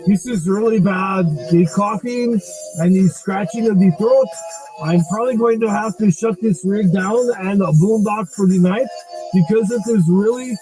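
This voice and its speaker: A man playing a sick, lonely trucker streamer who coughs and begs for donations, with a hoarse, scratchy throat and a self-pitying manner. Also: high-pitched, moderate pace, over music, natural voice. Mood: whiny. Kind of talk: comic parody clip.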